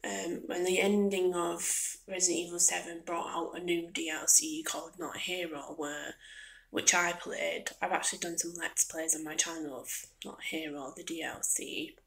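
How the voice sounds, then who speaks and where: A woman speaks in a soft ASMR ramble, her voice on the low side and fairly flat in melody. There is a noticeable creak to it, and her delivery is hesitant, loose and partly whispery. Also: moderate pace, low-quality recording. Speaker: gaming and ASMR video creator.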